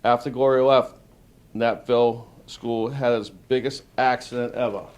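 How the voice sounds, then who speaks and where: A man's voice: mid-range voice, fairly even intonation, unhurried, a little mellow. A man who is a police officer, reading a picture book aloud to children. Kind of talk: children's storybook read-aloud.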